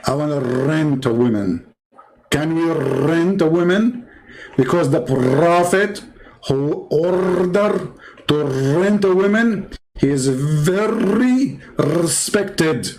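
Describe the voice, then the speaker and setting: A man's voice: a little high, expressive, slow, creaky, a little mellow, a little hiss or hum, poor audio. A middle-aged man giving sarcastic commentary in broken English, reading from a website and mocking what he reads. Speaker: online religious debater.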